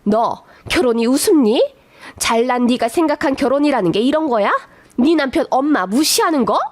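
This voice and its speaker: A domineering middle-aged mother-in-law who is quick to anger and hurls threats, as a woman puts her on. The voice sits high and sharp, and it comes in bursts of scolding. It is played in a read-aloud radio story. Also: expressive, no room sound. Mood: furious.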